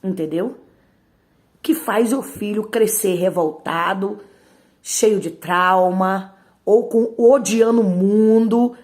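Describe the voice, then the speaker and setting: A woman's voice: mid-range voice, slow pace, darkish tone. A woman giving an emotional spoken testimony and speaking straight to her audience. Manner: emotional, repeatedly addresses the audience directly.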